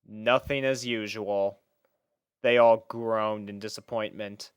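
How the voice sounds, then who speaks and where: A woman narrating a scripted story in an expressive manner. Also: very deep voice, takes it slowly, clean tone, no room sound, studio quality.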